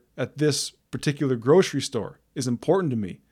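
On a very clean recording with a silent background, a man with an unremarkable speaking voice talks at medium pitch and moderate pace. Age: 30s. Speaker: self-help podcast host. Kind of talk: solo monologue podcast. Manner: conversational with filler words.

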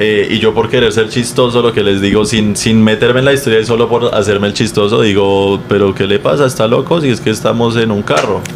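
Over noticeable background noise, a man of medium pitch talks at a fairly quick pace with hardly any pauses, fairly even intonation and very even loudness. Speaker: stand-up comedian. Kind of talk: casual chat. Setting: live stream.

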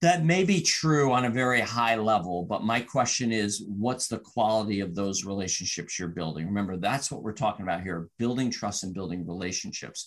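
A man's plain, everyday voice, fairly low in pitch, fairly quick with hardly any pauses and lively intonation. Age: 50s. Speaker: sales coach. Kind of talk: interview.

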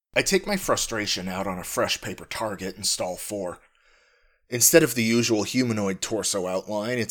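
Heard in a very clean recording with a silent background, a man has a normal speaking voice, fairly low in pitch, with ordinary pitch variation and a moderate pace. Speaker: podcast actor and author. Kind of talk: dramatic first-person narration, reading aloud a written story.

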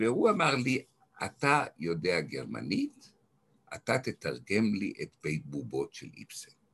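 A man speaks at a very slow pace with big swings in loudness, the sound dry and close with no echo. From Tel Aviv, Israel. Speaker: theatre professor and poet. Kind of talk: interview.

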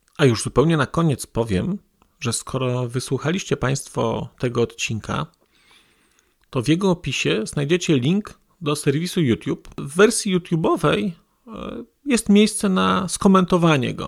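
Recorded very cleanly over a silent background, with a dry, close sound and no echo, a man with a fairly high voice speaks at a moderate pace, his pitch swinging very widely. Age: 50s. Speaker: podcast host, book reviewer. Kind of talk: solo book review monologue. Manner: formal.

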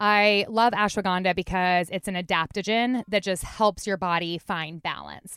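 A woman with an American accent has an unremarkable speaking voice at medium pitch, with fairly even intonation, on a very clean recording with a silent background and a dry, close sound with no echo. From US South, Atlanta, Georgia. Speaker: functional medicine clinic founder. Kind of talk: interview. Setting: in a car.

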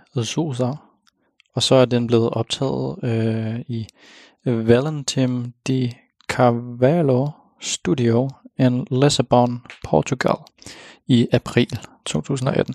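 At a very slow pace with long, frequent pauses, a man talks at a medium pitch with ordinary pitch variation. The recording is very clean and silent in the background, with a dry, close sound and no echo. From Copenhagen, Denmark. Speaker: radio host. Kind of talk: radio music show. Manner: hesitant, many fillers.

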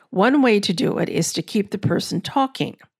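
With an American accent, a woman speaks using lively intonation. Her voice has vocal fry. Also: very clean recording, silent background. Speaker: author and podcast host. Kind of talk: memoir narration.

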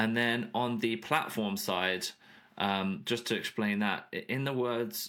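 In a British accent, a man speaks at a moderate pace with a fairly low pitch, fairly even intonation and a bright, sharp tone. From UK. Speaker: business buyer and accountant. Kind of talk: interview.

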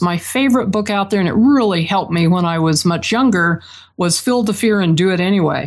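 Speaking at a fairly quick pace, a woman with an American accent and an unremarkable speaking voice uses lively intonation. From US, Idaho. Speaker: author and business networking expert. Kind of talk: podcast interview.

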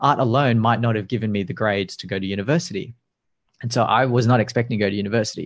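Against a quiet background, a man talks at a very fast pace with an Australian accent. His pitch is medium, with ordinary variation. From Sydney, Australia. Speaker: designer and business coach. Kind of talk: interview conversation.

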